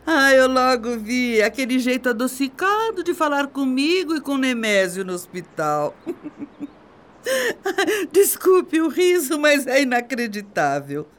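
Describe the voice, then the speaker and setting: An actress with a Brazilian accent playing a bitter, haughty middle-aged wife in a radio soap opera, mocking and theatrical. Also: female voice, high voice, sing-song, measured pace. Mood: mocking, scornful. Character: bitter, scornful middle-aged wife leaving her husband.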